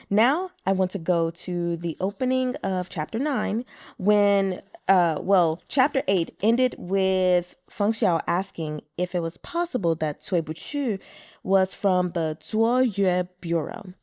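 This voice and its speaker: A woman's voice: fairly low pitch, animated, slow, darkish tone, no room sound, studio quality. A woman giving casual, chatty commentary as an audiobook narrator, explaining Mandarin terms. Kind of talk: casual commentary between chapters.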